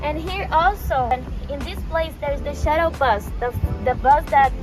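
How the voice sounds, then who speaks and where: A woman's voice: sits high, normal speed, poor audio. A young woman vlogging a casual tour of her university campus, chatting and pointing things out as she walks. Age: young adult. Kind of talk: casual vlog tour narration. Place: outdoors and indoors on a university campus. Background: background music.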